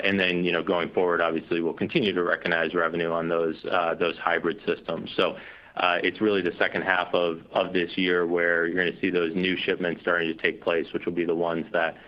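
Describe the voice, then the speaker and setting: A very deep-voiced man answers questions as a company executive on an earnings call. He explains in an unscripted, businesslike way, checking in with small tags as he goes. The sound is slightly dull and lo-fi. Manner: explanatory, frequent you know and right as tags. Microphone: conference call line. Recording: dull, lo-fi conference call audio.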